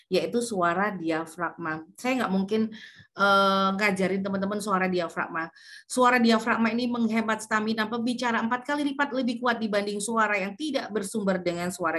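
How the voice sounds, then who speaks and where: A woman gives a public speaking lesson over a video call. She talks at a middle pitch for a woman and plays with her intonation to show examples. The voice comes through a plain call mic. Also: fairly bright tone. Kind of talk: online class lecture.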